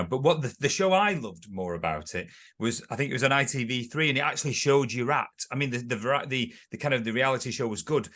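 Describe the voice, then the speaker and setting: A man's voice: mid-range voice, a bit bright. A man hosting an interview, enthusiastic and full of praise, with many hesitant fillers. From Lancashire, England. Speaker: host. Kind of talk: casual interview chat.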